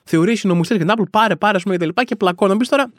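A man's voice: high-pitched, no room sound, clean studio sound. A man hosting a comedic podcast monologue, rambling through exaggerated, self-mocking rants full of colloquial asides and restarts. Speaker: podcast host.

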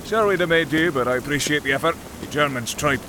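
Male actor, Scottish ship captain; breezy and blunt, higher pitch, stormy deck. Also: quick pace, noisy background, natural voice.

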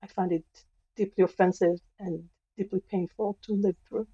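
Measured woman guest on a muffled line. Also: mid-range voice, steady tone, husky, no room sound. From Israel. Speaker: history professor, guest. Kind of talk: earnest radio interview answer.

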